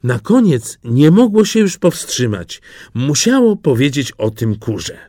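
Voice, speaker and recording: A man reading a fairy tale audiobook in an expressive storytelling manner. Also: medium pitch, unhurried, dry recording, studio quality. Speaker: narrator.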